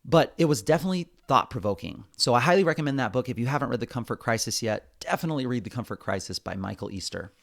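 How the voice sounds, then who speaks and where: A man's voice: mid-range voice, animated, quick pace, gravelly, hardly any pauses, fairly bright tone. An American man presenting a semi-scripted solo podcast, speaking in an earnest, conversational way straight to his listeners. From United States. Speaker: podcast host.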